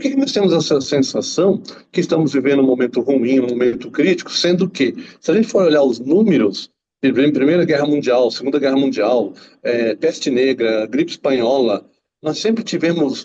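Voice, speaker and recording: With lively intonation and very even loudness, a man with an unremarkable speaking voice and a fairly high pitch talks at a moderate pace. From rural Brazil. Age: 60s. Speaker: participant. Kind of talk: casual chat.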